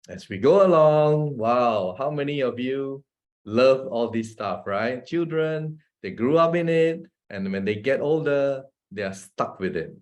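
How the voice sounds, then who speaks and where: Chatty man with a Malaysian English accent. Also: medium pitch. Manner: chatty, asks "right?" often, laughs between points. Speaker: presenter. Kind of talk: casual talk to an audience.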